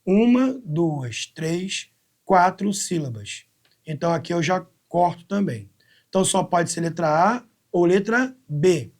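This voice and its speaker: High-voiced man teaching, slow syllable counting. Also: expressive. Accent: Brazilian Portuguese. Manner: explains step by step, counting syllables out slowly. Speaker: Portuguese teacher. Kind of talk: live online exam-prep lesson.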